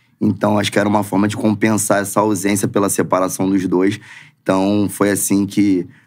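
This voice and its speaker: A man at a fairly low pitch and moderate pace, monotone and flat in intonation, with very even loudness and a quiet background. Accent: Carioca. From Rio de Janeiro, Jacarepaguá. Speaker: organized football supporters' group leader. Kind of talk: casual interview. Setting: studio. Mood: nostalgic storytelling. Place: studio. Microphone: studio mic.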